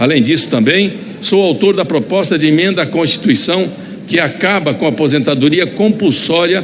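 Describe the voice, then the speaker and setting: A man's high-pitched voice with lively intonation at a moderate pace, amid noticeable background noise and audible room echo. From northern Paraná, Brazil. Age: 70s. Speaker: politician. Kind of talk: farewell speech. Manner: formal.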